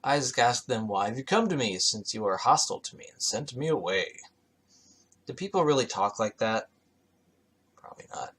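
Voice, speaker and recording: A man's voice: medium pitch, big pitch swings, moderate pace, pauses often, a bit bright, breathy edge. A man reading scripture aloud and commenting on it as host, with offhand, skeptical, sardonic asides. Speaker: reader and commentator, host of the show.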